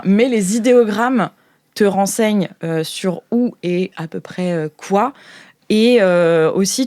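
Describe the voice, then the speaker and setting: A woman's voice: mid-range voice, darkish tone. A woman narrates an improvised tabletop game, hesitant and playful, with slangy turns of phrase. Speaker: game master.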